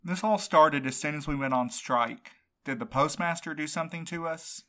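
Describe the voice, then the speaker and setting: A man's voice: on the high side, moderate pace, sharp tone. A man playing a sleep-deprived young courier, snarky and complaining, in a fiction podcast. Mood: questioning. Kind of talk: audio fiction podcast acting.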